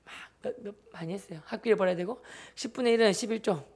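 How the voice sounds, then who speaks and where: Man, Gyeongsang accent, church deacon, lively storytelling, acts out voices. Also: high voice, quick pace. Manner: animated storyteller who acts out family members. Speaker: church deacon giving a talk. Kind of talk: lively testimony talk.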